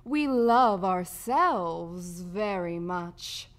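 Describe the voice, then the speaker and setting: A woman's voice: mid-range voice, very animated, extremely slow, vocal fry, exaggerated voice. A woman voicing a sardonic, smirking male talking rat in a children's audiobook, with a dry, smug drawl.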